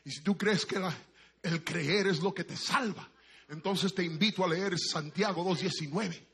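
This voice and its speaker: Fiery high-voiced preacher shouting a sermon. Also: male voice, breathy edge. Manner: swings from shouting to low, measured speech.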